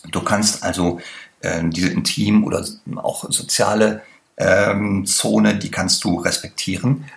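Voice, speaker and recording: Gravelly-voiced man explaining body language. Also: on the low side. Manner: explains with many examples, fillers and tag questions. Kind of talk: explanatory lecture, addressing listener directly.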